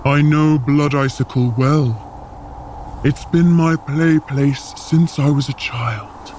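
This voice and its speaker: An actor playing a proud, solemn frost giant guide in an audio drama, speaking formally and earnestly. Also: male voice, a little high, steady tone, a little mellow, slight background noise. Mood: grave. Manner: formal, measured, earnest speech. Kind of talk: scripted audio drama acting.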